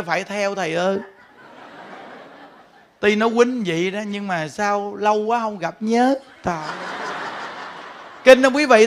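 A man, a Buddhist monk giving a sermon, telling stories with frequent laughter and speaking straight to his listeners. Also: extremely high pitch. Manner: animated storytelling, laughs often, addresses the audience directly.

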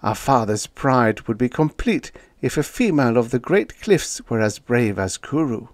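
A man's voice: mid-range voice, big pitch swings, moderate pace, no echo, pitched above the performer's own voice, close to an everyday voice. A man voicing a devoted young tribal woman who pleads in formal phrasing, in a story reading. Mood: pleading.

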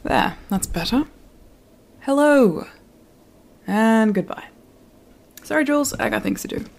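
Curt, bossy, high-voiced engineer. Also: female voice, animated, measured pace, gravelly, darkish tone, a little hiss or hum. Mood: fussy, brisk. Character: brisk, bossy, fussy young engineer. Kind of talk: audio drama.

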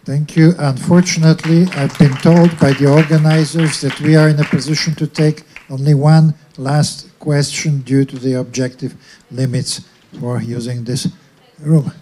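A man's voice: a little high, little pitch movement, normal speed, mellow, a little hiss or hum. A man moderating a panel, polite and formal as he calls on questions.

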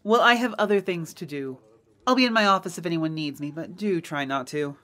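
An actress playing a curt, condescending middle-aged café boss in an audio drama, clipped and haughty. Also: female voice, fairly low pitch, fairly quick, fairly bright tone, natural voice.

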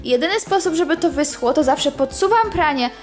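A woman's voice: sits high, animated, a little fast, faint music behind. A woman in her twenties chatting casually as she walks a camera around her small apartment, pointing things out. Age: 20s. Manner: chatty, walking and pointing at things while talking. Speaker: vlogger. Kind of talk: casual house tour vlog. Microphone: handheld camera at arm's length.

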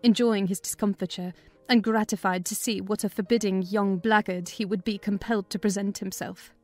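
A woman's voice: mid-range voice, fairly even intonation, normal speed, darkish tone, faint music behind. A woman narrating a classic novel as a scripted, dramatized audiobook reading.

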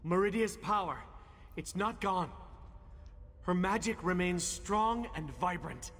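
An actor playing a determined young warrior companion who speaks earnestly and urgently in a video game. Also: male voice, high voice, slow pace, a bit bright, heavily acted. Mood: awed. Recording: long reverb with game music.

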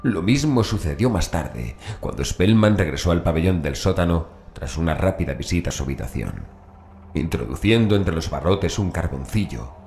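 Very deep male horror audiobook narrator. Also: lively intonation, moderate pace, creaky, a little mellow, a little hiss or hum. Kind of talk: scripted horror story narration. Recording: voice over background music. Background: music.

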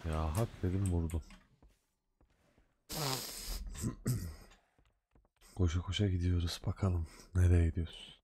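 Deep-voiced man giving chatty game commentary. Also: takes it slowly, long pauses, warm tone, slight background noise. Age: adult with a day job. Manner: chatty, talks back at the game with playful mock scolding; loose slangy banter. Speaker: gaming video host. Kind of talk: casual let's-play commentary.

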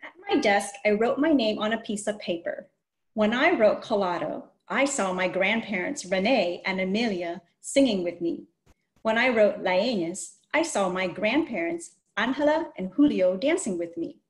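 A woman's voice: mid-range voice, expressive, moderate pace. A middle-aged woman hosting a picture book read-aloud over a video call. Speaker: host reading a children's book. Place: plain small room, indoors. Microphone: video call computer microphone. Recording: roomy, echoey video call.

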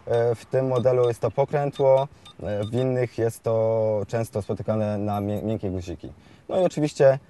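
This shop expert, a man in his 20s with a warm, lowish voice, explains a product unscripted into a lapel mic. His delivery is halting, and he keeps hesitating, using fillers and saying words twice.

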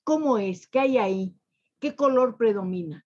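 A woman's voice: a little high, animated, normal speed, darkish tone, breathy edge, highs cut off. An older woman hosting a television interview, speaking in eloquent, lyrical phrases from a home library over a video call. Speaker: interviewer and host. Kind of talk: warm formal television interview.

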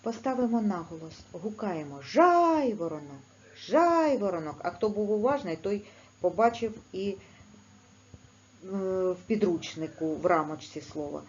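A woman with a Ukrainian accent teaching a video lesson to schoolchildren, dictating slowly and clearly. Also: fairly low pitch, a little mellow. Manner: slow, clear, instructive dictation. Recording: slightly dull, faint background noise.

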